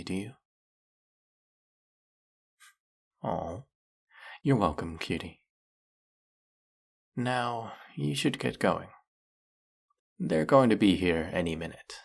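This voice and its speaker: Snake villain for romantic audio drama, male actor: deep, gravelly fry, soft-spoken, gentle, lonely, courteously flirtatious. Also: heavily acted. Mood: gentle, fond. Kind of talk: intimate audio roleplay acting, addressing the listener.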